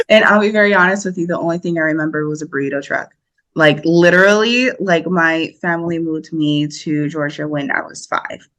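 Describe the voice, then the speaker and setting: A woman's voice: low-pitched, normal speed, a bit bright. A young woman from the United States, an actor guesting on a podcast, talking casually and animatedly with frequent laughs and fillers. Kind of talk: casual interview chat.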